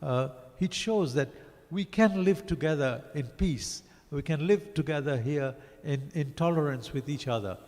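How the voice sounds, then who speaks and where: A man born in Africa reviewing a book as a lecture, halting with many fillers and restarts. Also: fairly high pitch, a little mellow. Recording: long hall reverb.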